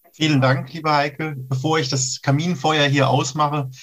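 A man talks at a moderate pace with a somewhat breathy voice. His intonation is monotone and flat. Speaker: academy study director, podcast host. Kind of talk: scripted narration and moderation. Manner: formal.

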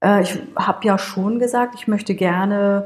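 Her voice is somewhat breathy at a medium pitch. The woman speaks at a fairly slow pace. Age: 50s. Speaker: coaching client, finance industry employee. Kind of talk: interview.

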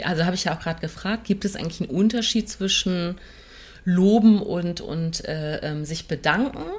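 A woman talks fairly quickly in a somewhat breathy voice, her pitch varying in an ordinary way. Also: very clean recording, silent background. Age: 40s. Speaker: podcast host and photographer. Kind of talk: casual interview chat. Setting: in person at a publisher's office.

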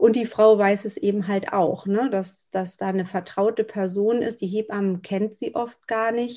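Medium-pitched and dark, mellow in tone, a woman talks at a moderate pace with fairly even intonation and hardly any pauses. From Hamburg, northern Germany. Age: 40s. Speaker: postpartum carer and doula. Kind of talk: interview.

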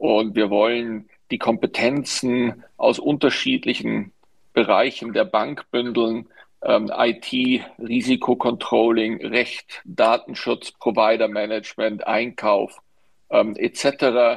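Keeping a very even loudness, a man speaks at a very slow pace. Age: 50s. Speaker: bank executive. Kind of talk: interview. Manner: hesitant with frequent fillers.

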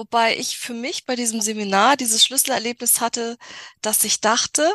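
The woman's tone is bright and sharp, her pitch fairly high. The sound is dry and close with no echo, over a quiet background. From Hamburg, northern Germany. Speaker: author and photographer. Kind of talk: casual interview chat about books.

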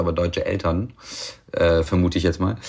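A man's very deep, low-pitched voice. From Hesse, Germany (born in Tehran). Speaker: actor. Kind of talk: casual chat. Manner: halting, many fillers.

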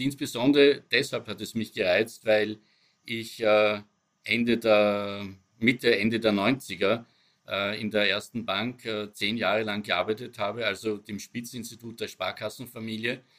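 Monotone and flat in intonation, a man talks at a fairly slow pace with a medium pitch. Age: 60s. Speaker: bank executive. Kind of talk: interview.

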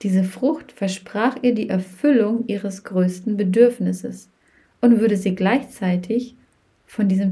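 Somewhat breathy and dark, mellow in tone, a woman speaks at a fairly slow pace with a medium pitch and ordinary pitch variation. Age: 30s. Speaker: podcast host, mother.

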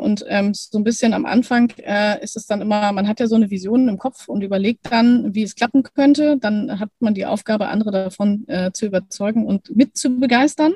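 A woman talks at a fairly quick pace with a fairly high pitch and ordinary pitch variation. Her tone is dark, mellow and somewhat breathy, and the sound is dry and close with no echo. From northern Germany, Lüneburg Heath. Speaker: magazine publishing executive. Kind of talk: interview. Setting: video call.

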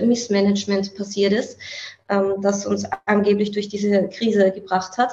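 A woman's somewhat breathy voice moves at a moderate pace. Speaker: author and labour activist. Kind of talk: interview.

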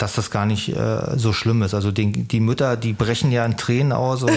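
A man in a normal speaking voice, medium pitch, moderate pace and fairly even intonation. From Berlin. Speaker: podcast co-host, father. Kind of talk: casual chat.

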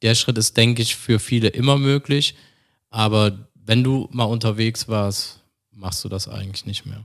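A man with an ordinary speaking voice, medium pitch, fairly even intonation and a fairly slow pace. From Cologne, Germany. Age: 30s. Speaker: van-life traveller. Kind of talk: casual chat. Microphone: too far from the mic.

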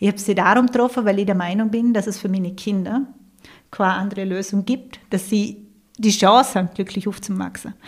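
The voice is somewhat breathy with fairly even intonation. It moves at a fairly quick pace. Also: woman, medium pitch for a woman. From Austria, Vorarlberg. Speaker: single mother and blogger. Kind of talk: interview.

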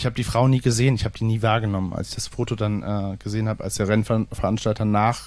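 The speaker is a man with a fairly low pitch. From Germany, Cologne. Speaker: screenwriter and ultra-distance cyclist. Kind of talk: live podcast interview. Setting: stage with live audience.

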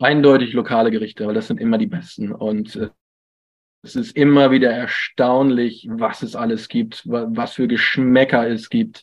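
This man has an unremarkable speaking voice, medium in pitch, with fairly even intonation and a moderate pace. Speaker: traveller. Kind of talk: interview.

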